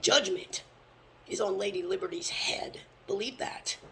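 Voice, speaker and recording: Gravelly, intense street preacher. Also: medium pitch, unhurried. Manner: intense, often drops to a hushed whisper; blunt, with occasional swearing. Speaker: religious teacher. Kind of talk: fervent scripture preaching.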